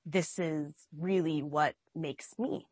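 A young adult woman from Minnesota, answering interview questions in a slow, reflective, earnest way. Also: low voice, fairly even intonation, a little mellow, slightly rough, no echo. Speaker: guest, artist.

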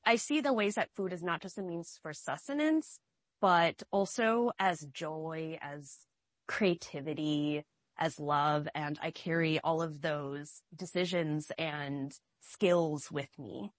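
Slow, low-voiced woman guest. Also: dry recording. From Minnesota. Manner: slow, reflective, earnest. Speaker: guest, artist. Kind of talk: interview answers.

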